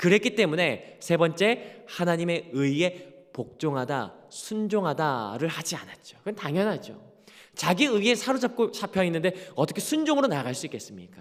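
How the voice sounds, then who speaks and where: At a moderate pace, a man with a high voice speaks with very wide pitch swings. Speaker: pastor. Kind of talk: sermon.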